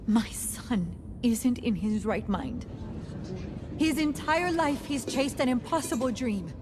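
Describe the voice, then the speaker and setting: A woman's voice: fairly high pitch, animated, slow pace, big-room sound, background noise. A pleading mother on a council. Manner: earnest, pleading.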